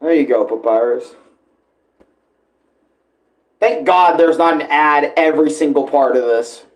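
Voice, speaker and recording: Casual, higher-voiced man rambling in reaction. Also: a little slow. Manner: rambling, informal, often addressing others as bro or dude. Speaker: live reaction host. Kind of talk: casual reaction commentary with slang and swearing.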